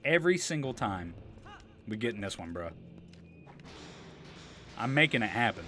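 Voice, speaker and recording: A man's voice: fairly low pitch, sing-song, moderate pace, a bit bright, soft background music. A man live streaming a video game, giving casual, slangy commentary and chatting with viewers, with some swearing. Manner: slangy, profane, informal.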